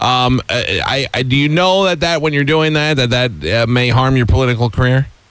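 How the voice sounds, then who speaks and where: With an American accent, a man talks at a moderate pace and medium pitch, keeping his loudness very even and hardly pausing. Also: lively intonation. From New York. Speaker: radio host. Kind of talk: casual chat.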